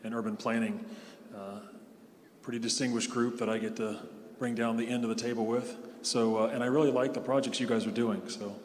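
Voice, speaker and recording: Male panelist, relaxed, distant off-mic sound, reverberant hall. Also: mid-range voice, a little fast, a little hiss or hum. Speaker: architecture firm executive, panelist. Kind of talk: conference panel introduction.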